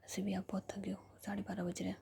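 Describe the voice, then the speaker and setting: A woman's voice: mid-range voice, level tone, quick pace, vocal fry, warm tone, natural voice. A woman whispering the lines of a teasing, playful young woman who bosses her partner around. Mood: teasing refusal.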